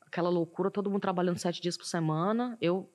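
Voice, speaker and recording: A woman, a guest in an interview, telling her story in a reflective, animated way. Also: on the low side, quick pace. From Northeast Brazil. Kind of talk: casual interview talk.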